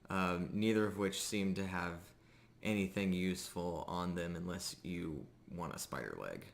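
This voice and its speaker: A man working as game master, narrating a tabletop roleplaying game in a halting, measured way. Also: sits low, creaky, slight background noise.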